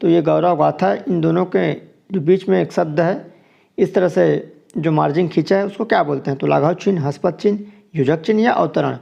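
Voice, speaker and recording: A grammar exam class is led by a Chhattisgarh man whose voice is dark and heavily gravelly yet sits slightly high. Going question by question through the multiple-choice items at a moderate pace, he explains each answer in steps and repeats it, captured with lo-fi sound.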